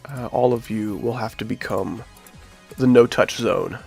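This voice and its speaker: A man's voice: lowish voice, unhurried, gravelly, darkish tone, slightly rough, soft background music. A man with a nasal voice from being sick, chatting casually to his live-stream viewers while he builds a game level. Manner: chatty, talks to chat while working.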